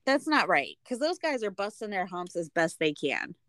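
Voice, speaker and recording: A woman's voice: mid-range voice, very animated, moderate pace, fairly bright tone, no room sound. An American woman co-hosting a podcast in a casual, conversational recap style. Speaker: podcast co-host.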